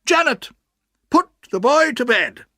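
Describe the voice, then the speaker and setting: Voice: sits high, expressive, a little slow, no room sound, studio quality, voice pushed up, full character voice. A narrator voicing a stern, cross elderly aunt who is kind underneath, speaking sharply and bossily. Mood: firm, sharp. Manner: sharp and bossy, shouting when angry. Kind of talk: storybook reading.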